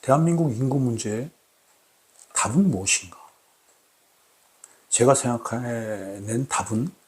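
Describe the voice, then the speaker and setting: A man hosting his own channel, talking to camera in a formal, deliberate way with many repeated rhetorical questions. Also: mid-range voice. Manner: repetitive, emphatic rhetorical questions. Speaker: channel host. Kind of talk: solo talk to camera.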